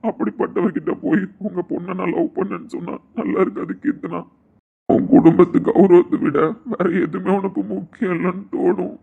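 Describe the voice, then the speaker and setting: A man's voice: high voice, flat delivery, a little fast, gravelly, slight background noise. A man playing a cold, resigned young lover over a tinny line. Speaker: lead character in an audio drama. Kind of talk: emotional Tamil audio-drama acting. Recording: tinny phone-like sound.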